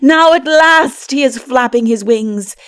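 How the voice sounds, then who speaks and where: A woman's voice: high-pitched, measured pace, clean tone. A woman voicing a solemn, exultant fatherly man with declamatory, archaic phrasing in a dramatic audiobook.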